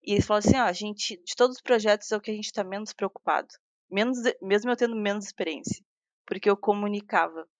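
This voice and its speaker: A woman, a software engineer talking casually as a guest in an interview, with many restarts and fillers. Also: medium pitch, fast, no echo. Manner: chatty, frequent restarts and fillers, laughs while talking.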